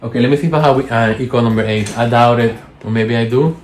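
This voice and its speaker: Faint music and a roomy echo sit behind a fast-talking man with a mid-range voice and a Spanish accent, with slight background noise too. He rambles through a hands-on candle-making session, chatty and constantly correcting himself.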